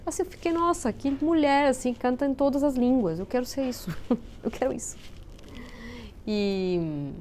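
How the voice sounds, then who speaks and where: Her mid-range voice is a little mellow as she talks in a relaxed interview as the guest. A native Spanish speaker from Peru with a Spanish accent, she explains things thoughtfully and now and then searches for the right word.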